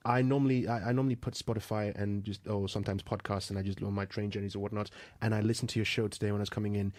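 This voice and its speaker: A man's voice: fairly low pitch, little pitch movement, very fast, darkish tone, no room sound. Eager man hosting a radio talk show. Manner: eager and admiring, searching for words. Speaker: host. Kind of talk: conversational interview. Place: radio studio.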